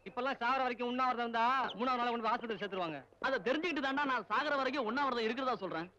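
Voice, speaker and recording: A man's voice: very high voice, racing, highs cut off. An actor playing a cheeky young male college student, a wisecracking comic sidekick. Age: young adult. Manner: wisecracking, playful. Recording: old film soundtrack under loud music.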